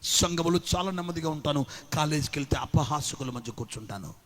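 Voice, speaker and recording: A man preaching a sermon as a pastor, mixing in English phrases and repeatedly calling on the congregation to respond, swinging between loud preaching and soft storytelling. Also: fairly high pitch, expressive, fairly quick. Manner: rousing, repetitive calls for congregation response.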